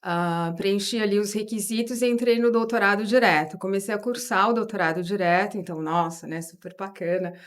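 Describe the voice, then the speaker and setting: A woman's voice: medium pitch, fairly even intonation, a little fast, hardly any pauses. A woman from São Paulo with that city's accent tells her career story to an interviewer. Her voice sits in the middle of the range, and her delivery is thoughtful, with tag questions and restarts along the way. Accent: São Paulo Portuguese. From São Paulo, Brazil. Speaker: guest, board advisor.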